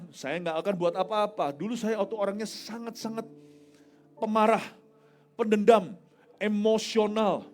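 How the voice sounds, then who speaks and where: A man pastor in his middle years preaches with a light, high voice, swinging from playful loud bursts to hushed storytelling. A guitar plays faintly behind him at a live crusade. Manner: animated, joking storyteller with big swings in pitch and loudness. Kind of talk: sermon. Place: large evening crusade, outdoors or big venue.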